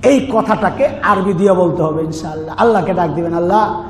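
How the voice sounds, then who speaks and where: A man's voice: high-pitched, brisk. A Bangladeshi man preaching an Islamic sermon, explaining scripture in an emphatic, conversational way with rhetorical questions. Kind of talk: sermon explaining scripture with recitation and everyday analogies. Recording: echoey reverberant hall with background noise.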